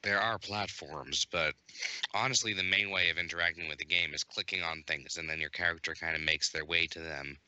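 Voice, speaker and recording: A man's voice: low voice, fairly even intonation, fairly quick, pushed and bright, no room sound. A man co-hosting a casual game podcast, explaining things matter-of-factly. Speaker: podcast co-host. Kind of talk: casual chat.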